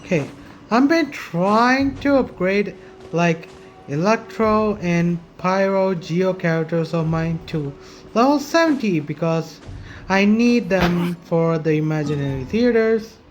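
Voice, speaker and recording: A gaming YouTuber giving casual, halting gameplay commentary, often muttering to themselves. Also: mid-range voice, lively intonation. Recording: faint game music behind.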